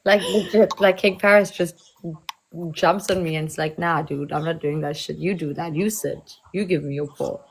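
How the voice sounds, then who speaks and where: A woman's voice: on the low side, fairly even intonation, a little slow, vocal fry, slightly rough, rough recording. A woman in her thirties from South Africa, hosting a casual livestream chat, laid-back and laughing as she tells stories. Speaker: livestream host.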